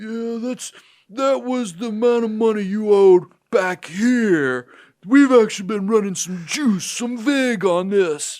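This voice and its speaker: This man uses a put-on character voice. It is pitched high. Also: fairly slow pace. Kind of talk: tough, street-wise.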